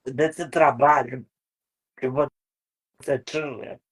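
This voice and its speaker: A man hosting a podcast, asking unhurried questions in a casual interview. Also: mid-range voice, fairly even intonation, breathy edge. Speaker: podcast host.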